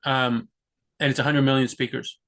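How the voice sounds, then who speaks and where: Young man, casual vlog monologue, rambling with lots of restarts, mid pitch. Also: little pitch movement, normal speed, a bit bright. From United States. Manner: rambling, many restarts and "like" fillers. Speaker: vlogger. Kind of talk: casual talk to camera.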